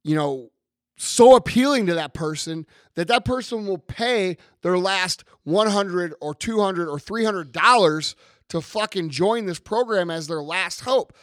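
A hoarse man with a raspy, fairly high voice rants bluntly on his podcast and swears freely. The sound is dry and close. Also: lively intonation, measured pace, fairly bright tone, no room sound. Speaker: podcast host. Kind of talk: profane motivational rant.

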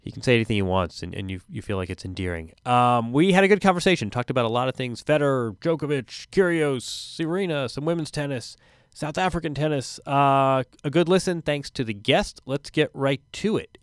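A man's voice: mid-range voice, smooth, no echo, clean studio sound. A man in his forties hosting a tennis podcast, chatty and wry, sounding a little stuffy from a cold. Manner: chatty, self-interrupting, wry asides. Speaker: podcast host.

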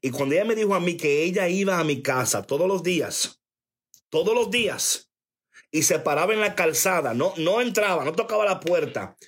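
Emphatic preacher man, fairly high voice. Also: lively intonation, normal speed, a bit bright, husky. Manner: emphatic, repeats phrases, calls for attention; reads chat comments aloud. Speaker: preacher on a live stream. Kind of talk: sermon-style testimony.

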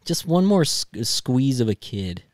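A man with a Wisconsin accent hosts a casual podcast, teasing his guests in easy banter. His voice sits at a middle pitch, with a conversational, joking lilt. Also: very animated, a little slow, a little mellow, no room sound, studio quality. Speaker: podcast co-host. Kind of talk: casual chat.

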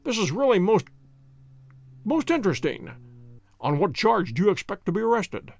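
Man reading as a composed, dry-witted detective, precise and unhurried. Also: sits high, big pitch swings, vocal fry, darkish tone, exaggerated voice. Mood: calm dry. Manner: measured, dryly amused, precise. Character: cool, ironic male detective, composed.

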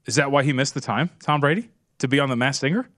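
A young man co-hosting a sports podcast, asking quick, eager questions. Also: medium pitch, fairly bright tone, no room sound, clean studio sound. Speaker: podcast co-host. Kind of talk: casual podcast chat.

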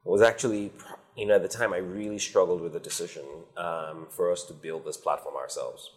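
A man from Nigeria, a company founder, answering interview questions in a measured, thoughtful way with frequent pauses. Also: deep voice, fairly even intonation. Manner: measured, thoughtful, many ums.

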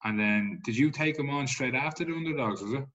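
A man's voice: mid-range voice, brisk, fairly bright tone, muffled recording. An Irish man interviewing in a casual sports chat, putting long, loosely built questions in a conversational way.

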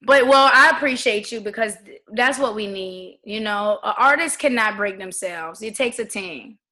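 A woman from Virginia hosting a casual interview, chatty and quick to laugh. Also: mid-range voice, pushed and bright.

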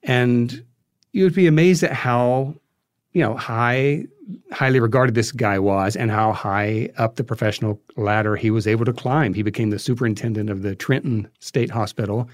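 A man's voice: mid-range voice, normal speed, no room sound. Man explaining history, close dry sound. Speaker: interview guest, filmmaker and podcast creator. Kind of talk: conversational interview, explaining history.

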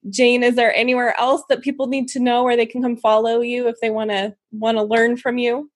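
A woman's voice: fairly high pitch, little pitch movement, fairly quick. A woman hosting a podcast, talking reflectively with frequent fillers. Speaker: podcast host. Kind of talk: casual interview chat.

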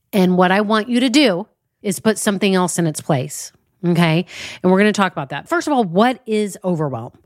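A woman's voice: medium pitch, dry recording, studio quality. A middle-aged woman, hosting a solo business podcast with a stuffy, nasal voice and an upbeat, chatty manner. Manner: upbeat, chatty, lots of y'all. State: stuffy nose. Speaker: podcast host and business coach.

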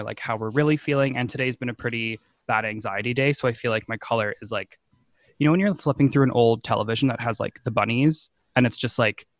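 A man's voice: medium pitch, fairly bright tone. A man co-hosting a casual podcast, talking in a rambling, filler-heavy, joking way. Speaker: podcast co-host.

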